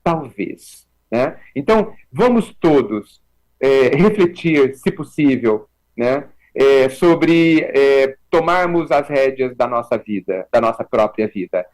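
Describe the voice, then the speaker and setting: A Brazilian man talking as a guest on a radio talk show, reflective and measured, often checking in with a tag question. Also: medium pitch, expressive, darkish tone, rough recording. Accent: Brazilian Portuguese. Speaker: guest commentator.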